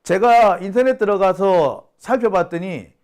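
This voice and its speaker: A man's voice: sits high, measured pace, a little mellow. A man hosting a solo news commentary, indignant and scoffing, sighing and exclaiming as he reads out rumors. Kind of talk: solo talk-show commentary.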